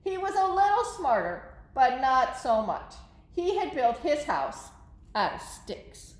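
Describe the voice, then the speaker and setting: Lady playing a storybook wolf pleading innocent, real chatty, high voice, bit echoey room. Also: big pitch swings, slow pace, full character voice. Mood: dramatic, innocent. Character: self-justifying folksy wolf telling his side.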